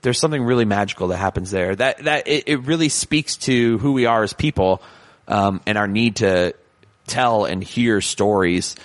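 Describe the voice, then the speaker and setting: A man's voice: fairly low pitch, normal speed, no room sound. A man from Canada, chatting as a podcast guest. He rambles in bursts and pokes fun at himself. His voice is dry and close, with no room around it. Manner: animated, rambling, self-deprecating. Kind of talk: casual conversation.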